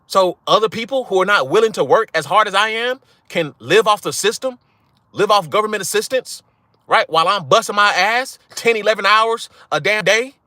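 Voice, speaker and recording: Blunt, profane young man, bright tone. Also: high-pitched, expressive, normal speed, no echo, studio quality. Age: young adult. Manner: blunt, profane, repeats "right?" for emphasis. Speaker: channel host. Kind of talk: casual monologue to viewers.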